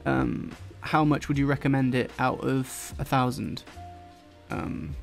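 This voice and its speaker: A man with an English accent softened by London, chatting casually and rambling while he draws, swearing now and then and dropping his t's. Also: mid-range voice, a little slow, vocal fry, faint music behind. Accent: English, London-influenced. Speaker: YouTuber drawing on stream. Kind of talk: casual chat while drawing.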